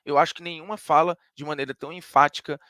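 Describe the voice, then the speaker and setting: A man's voice: on the high side, steady tone, fast talker, bright, forceful tone, no room sound. Northeastern brazilian guy, sports commentator, emphatic opinion rant, dry close sound. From Ceará, Brazil. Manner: emphatic, conversational, argues point by point.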